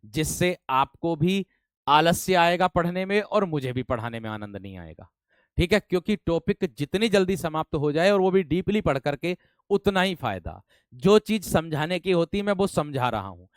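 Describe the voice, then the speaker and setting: A man's voice: fairly high pitch, sing-song, moderate pace, smooth, no room sound. A young man teaching an online Hindi exam-prep class, repeating points and coaxing students to confirm they understand. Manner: emphatic, voice rises when checking examples.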